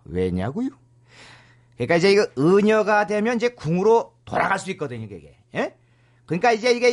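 A man hosting and narrating a drama plot comically, theatrical with chatty asides. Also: sits high. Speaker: narrator and host.

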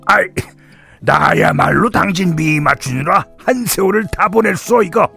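A man's voice: high-pitched, lively intonation, moderate pace, vocal fry, bright, forceful tone, faint music behind, pitched above the performer's own voice, exaggerated voice. A man voicing a blunt, grumbling older husband who blusters at his family in a radio story.

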